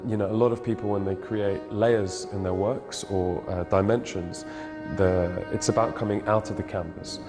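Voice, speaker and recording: A man's voice: fairly low pitch, fairly even intonation, moderate pace. A man in his thirties, a painter, talking thoughtfully about his work and often searching for words. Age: 30s. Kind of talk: reflective interview monologue. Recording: reverberant room with music underneath.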